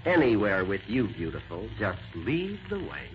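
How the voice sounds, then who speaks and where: An actor playing an easygoing, flirtatious American sidekick sleuth in 1940s radio crime drama. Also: male voice, fairly low pitch, big pitch swings, moderate pace, over loud music. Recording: dull, noisy 1940s radio recording.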